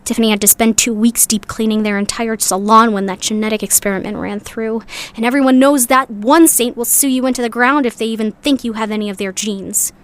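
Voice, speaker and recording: An actress plays a young woman from a sci-fi underground community, weary but loyal to her people. Her voice sits on the high side. She talks reflectively and earnestly, as in an audio drama monologue. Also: steady tone, brisk, few pauses, lightly acted. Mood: sad, earnest.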